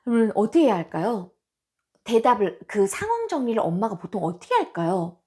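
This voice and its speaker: A woman's voice: mid-range voice, fairly quick. A woman hosting a self-improvement channel, talking casually and expressively to her viewers. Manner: animated and expressive, with acted-out quotes.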